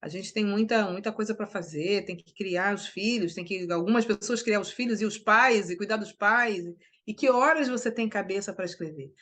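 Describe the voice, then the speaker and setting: A woman's voice: medium pitch, normal speed. Emphatic Brazilian woman writer, chatting. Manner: animated and emphatic, with many restarts and tag questions. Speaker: writer and journalist, interview guest. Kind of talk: conversational interview.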